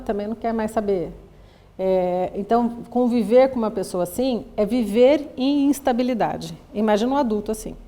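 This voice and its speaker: A Brazilian psychologist addresses an audience in a lively lecture. Her voice sits somewhat high for a woman. She slips into quoted voices to act out scenes and laughs through her asides. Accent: Brazilian Portuguese. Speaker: psychologist giving a talk.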